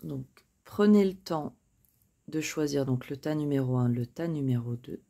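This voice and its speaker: Speaking at a normal speed, this tarot card reader has a low, creaky voice with a dark tone. She chats casually with her viewers as she spreads the cards, pausing often with fillers and poking fun at herself throughout the reading.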